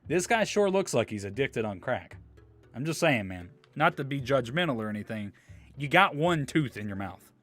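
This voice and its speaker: A man's voice: mid-range voice, very animated, normal speed, a bit bright, soft background music. A man live streaming a video game, giving casual, slangy commentary and chatting with viewers, with some swearing. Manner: slangy, profane, informal.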